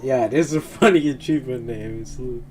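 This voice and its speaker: A man's voice: medium pitch, brisk, a little mellow, a little hiss or hum. A man streaming a game, chatting casually and rambling with frequent laughs. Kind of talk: casual live-stream commentary while gaming. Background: game music.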